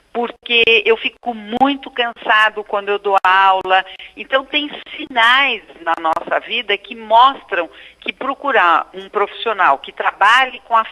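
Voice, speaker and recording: A woman's voice: medium pitch, pushed and bright, highs cut off. A middle-aged woman with a Brazilian Portuguese accent, a speech therapist guest on a radio show, explaining in a didactic way.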